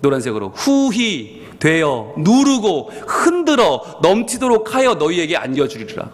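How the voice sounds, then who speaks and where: A high-voiced male pastor preaches with a lively, swooping delivery, his pitch leaping up and dropping low from phrase to phrase. He slips into the congregation's voice in quick quoted asides. The sound carries a long church-hall reverb. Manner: lively preaching with sudden swings in pitch and volume. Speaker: senior pastor. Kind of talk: sermon. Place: church sanctuary.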